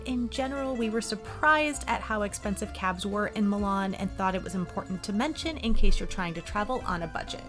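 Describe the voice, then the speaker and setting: A woman's voice: mid-range voice, brisk, few pauses. Woman narrating a voice-over over music.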